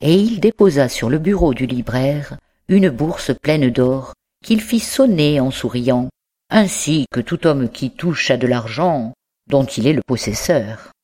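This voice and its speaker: A narrator reading a classic tale aloud in an unhurried, measured way. The delivery is slow and deliberate, suited to a literary audiobook. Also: mid-range voice, lively intonation, dark tone.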